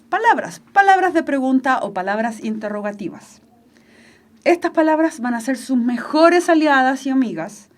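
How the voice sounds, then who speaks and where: A woman teacher with a Chilean Spanish accent giving an online English class, slow and patient, repeating each word for the students. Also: high-pitched.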